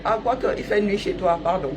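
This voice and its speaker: A woman's voice: medium pitch, normal speed, background noise. A woman, chatting casually on a live stream, greeting viewers by name and joking.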